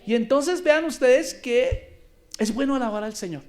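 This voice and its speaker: A man's voice: extremely high pitch, moderate pace, a little mellow. A male pastor preaching a sermon, asking his congregation questions as he teaches.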